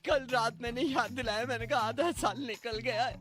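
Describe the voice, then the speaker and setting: A man's voice: extremely high pitch, moderate pace, a bit bright, soft background music. A man voicing a distraught young wife who vents melodramatically about her husband on a radio prank call. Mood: tearful. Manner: melodramatic, singsong wailing complaints. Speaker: prank caller.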